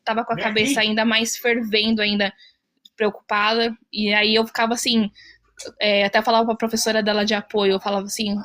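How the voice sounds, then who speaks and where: A woman's voice: medium pitch, level tone, fairly quick, a bit bright. A woman with a Brazilian Portuguese accent, earnestly telling a personal story as a mother of an autistic child, often quoting what others said.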